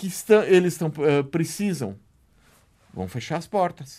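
This is a man speaking. His pace is moderate. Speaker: radio panelist. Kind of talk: radio panel discussion.

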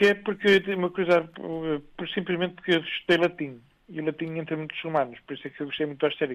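Talking at a very fast pace, a man with a high voice shows ordinary pitch variation and big swings in loudness. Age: 50s. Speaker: comics artist. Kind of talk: interview. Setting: phone call. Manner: halting.

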